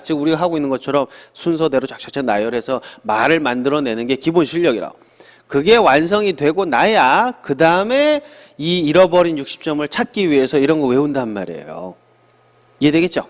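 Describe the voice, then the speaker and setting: A middle-aged man teaching an English lesson in a studio, lively and chatty, asking questions and answering them himself. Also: on the high side, in a large hall. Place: small studio.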